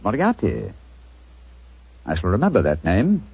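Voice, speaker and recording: An actor playing a brilliant, self-assured male detective in a 1940s radio drama, crisp and theatrical. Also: fairly low pitch, wildly swooping pitch, measured pace, dry recording, exaggerated voice. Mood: confident amused. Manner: crisp, theatrical, relishing his deductions. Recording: dull old radio recording with music.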